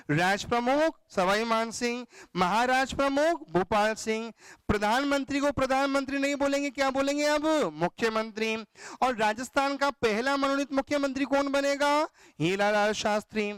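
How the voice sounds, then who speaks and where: A man's voice: very high voice, fairly bright tone, clean tone, no echo. A male teacher giving an exam-prep lecture, asking questions and answering them himself in a call-and-response rhythm. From Rajasthan, India. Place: classroom or studio.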